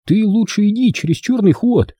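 A man voicing a nervous young boy who talks in an anxious hush. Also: high-pitched, animated, moderate pace, breathy edge, dry recording, clean studio sound, voice pushed up. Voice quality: hushed, anxious.

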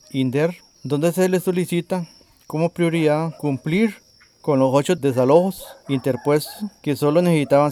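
A man working as a community radio reporter, reading a news report in a measured, deliberate way and interviewing a guest. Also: a little high, warm tone, slight background noise.

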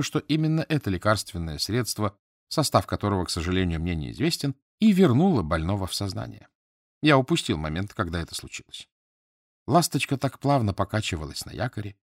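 A man reading an audiobook as scripted narration, measured and even. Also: lowish voice, no echo, studio quality.

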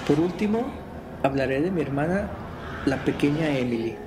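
A man's voice: a little high, lively intonation, normal speed, background noise. A man hosting a podcast, chatting casually and reading stories aloud. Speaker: podcast host.

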